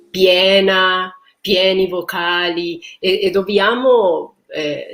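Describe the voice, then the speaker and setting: A woman from Argentina, a native Spanish speaker, answers on a panel in halting Italian with an Argentine Spanish accent, searching for words. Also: lowish voice. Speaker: guest musician at a panel on choral singing.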